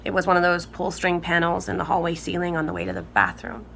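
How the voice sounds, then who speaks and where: Grown daughter being interviewed, matter of fact, creaky lowish voice, bit of noise. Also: female voice, very animated, fast, fairly bright tone, heavily acted. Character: matter-of-fact grown daughter recalling a relative's eerie house. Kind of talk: naturalistic podcast interview in audio drama.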